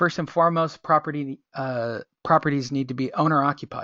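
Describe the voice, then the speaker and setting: A man talks at a fairly quick pace in a plain, everyday voice. His intonation stays fairly even. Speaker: real estate agent and coach. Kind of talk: webinar training. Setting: conference call with screen sharing.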